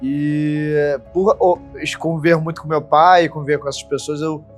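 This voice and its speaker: A man from Rio de Janeiro, a business partner calmly reflecting on his path into entrepreneurship. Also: on the high side, normal speed, soft background music. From Brazil, Rio de Janeiro. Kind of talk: documentary-style personal storytelling.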